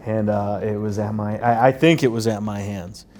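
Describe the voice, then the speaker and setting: A man's voice: lowish voice, fairly even intonation, normal speed, a little mellow, slight background noise. A man in his forties telling a long, profane, rambling story in a casual chat, full of fillers and restarts.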